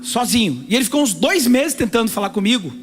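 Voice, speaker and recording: A man, preaching a sermon as pastor and telling a story, moving between loud emphatic passages and hushed intimate ones. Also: very high-pitched, animated, fast. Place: church service on a theater stage.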